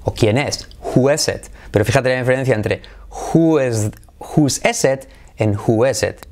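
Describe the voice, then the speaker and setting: Slow-paced man drilling English phrases. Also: medium pitch, slight background noise. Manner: drills phrases slowly, then repeats with lively intonation. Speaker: English teacher. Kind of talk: online English lesson.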